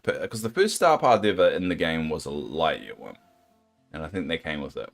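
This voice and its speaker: A man with a New Zealand accent and a very deep, soothing voice chats with his stream viewers while he plays. His pitch moves about a lot, and his rambling talk is sympathetic and self-deprecating. Faint game music plays behind him. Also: sing-song, fairly quick, gravelly. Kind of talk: casual chat with viewers while gaming.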